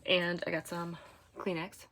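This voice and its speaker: A woman from Michigan hosting a knitting podcast, chatting casually to camera at home while congested, rambling with fillers and soft asides. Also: fairly low pitch, level tone, a little slow, slight background noise. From Michigan, USA.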